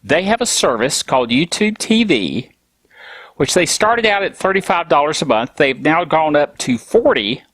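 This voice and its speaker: A man with a stuffy, cold-thick voice hosts a tech show on his own. His pitch leaps up and down as he grumbles and jokes at his own expense. The sound is close and dry, with no room around it. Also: big pitch swings, moderate pace, a bit bright, no echo. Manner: grumpy, self-mocking humor. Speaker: podcast host. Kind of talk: casual tech show monologue.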